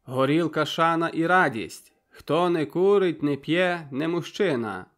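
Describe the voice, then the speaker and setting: A man's voice: fairly high pitch, unhurried, a bit bright, soft background music, voice pushed up. A man voicing a rowdy, boastful man giving a toast in an audiobook, declaiming boisterously.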